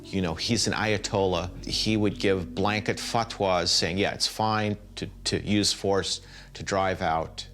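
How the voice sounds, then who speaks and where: Male interviewee, very deep voice, ex-intelligence officer, plain-spoken with hesitations. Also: steady tone, unhurried, a bit bright, soft background music. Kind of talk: interview recollection.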